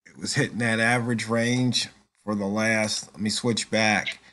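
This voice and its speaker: A man's voice: on the low side, fairly even intonation, measured pace, pushed and bright. A man in casual conversation on a call, thinking aloud with frequent "um" and "uh" and reaching for analogies. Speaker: trader.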